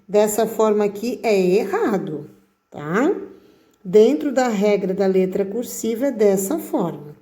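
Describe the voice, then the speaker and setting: Slow, mellow-voiced woman teacher. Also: mid-range voice, expressive. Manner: coaxing, with frequent check-ins like "tá?" and "ó". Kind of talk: slow, patient handwriting lesson.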